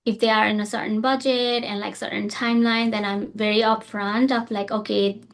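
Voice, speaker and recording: A woman's voice: medium pitch, flat delivery, moderate pace, vocal fry. A woman from Nepal, a nurse practitioner, answering interview questions casually with many fillers and restarts.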